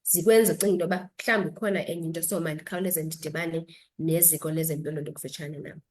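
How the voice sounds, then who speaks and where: A woman's voice: sits low, steady tone, rapid-fire, darkish tone. A woman doctor with a South African accent explaining health advice as an interview guest, instructive and switching between two languages.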